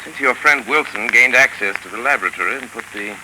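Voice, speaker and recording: An actor playing a calm gentleman detective who explains things patiently, in 1930s radio drama acting. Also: medium pitch, fast talker, natural voice. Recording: hissy 1930s radio broadcast recording.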